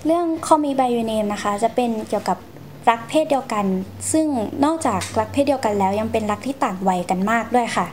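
A woman's voice: on the high side, expressive, brisk, darkish tone, slight background noise. A young woman, answering interview questions in a polite, explanatory manner as she recounts her experiences. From Thailand. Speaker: guest storyteller.

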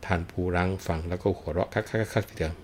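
A middle-aged man with a very low voice explains and retells a classic tale at an unhurried pace. He addresses the listeners directly and politely, and a faint noise sits under the voice. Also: little pitch movement. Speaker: storyteller. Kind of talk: explanatory storytelling talk.

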